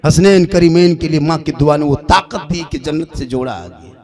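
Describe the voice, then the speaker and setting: A man preacher telling stories emotionally in a sermon, sometimes singing lines and shouting at climaxes. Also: on the high side, normal speed. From Jharkhand, India. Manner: emotional storytelling with sung passages and shouted climaxes. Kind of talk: impassioned sermon.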